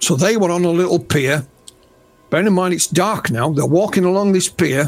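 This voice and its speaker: Music plays in the background while someone speaks with a Yorkshire accent. The pace is moderate, and the pitch varies in an ordinary way. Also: man. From West Yorkshire, northern England. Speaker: ufologist and writer. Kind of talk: interview. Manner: halting, with many fillers.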